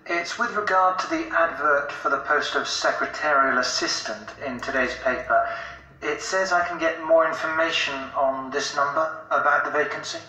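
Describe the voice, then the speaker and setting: A man's voice: a little high, normal speed, bright, forceful tone. A man acting a polite, formal job seeker phoning an office in a scripted course dialogue. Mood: polite, enquiring. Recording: roomy, distant course audio playback.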